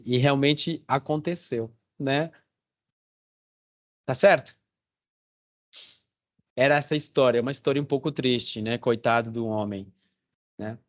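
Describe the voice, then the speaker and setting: A man with a mid-range voice teaches a Portuguese class online, speaking slowly with fairly even intonation and long pauses. He tells stories chattily and keeps checking in with students, often saying "né?" and "tá certo?". He's on a phone or computer video call, and the highs are cut off.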